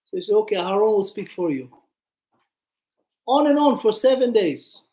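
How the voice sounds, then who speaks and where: A man's voice: high voice, very animated, moderate pace, mellow. Male rabbi, conversational storyteller giving an informal religious class, questioning listeners, recorded in an echoey room. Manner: conversational, acts out dialogue, puts questions to listeners. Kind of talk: informal Torah lesson with storytelling.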